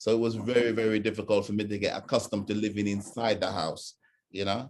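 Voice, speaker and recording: A man speaks with a strong Jamaican accent in a fairly low pitch. He goes very fast with monotone, flat intonation. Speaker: care services director. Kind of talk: interview.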